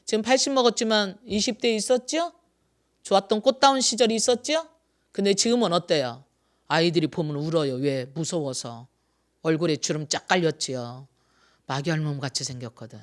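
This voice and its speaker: A pastor in their sixties preaches a Sunday sermon, putting question after question to the congregation. Key phrases come back again and again, first pushed out loud, then let fall into a soft aside. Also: medium pitch, expressive, fairly quick. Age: 60s.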